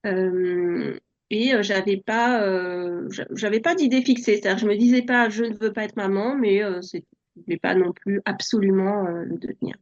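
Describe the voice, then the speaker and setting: A soft-spoken woman in her forties, born in France, telling her story as an interview guest with many hesitations. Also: mid-range voice, fairly even intonation, moderate pace, highs cut off. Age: 40s. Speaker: podcast guest. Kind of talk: relaxed personal interview.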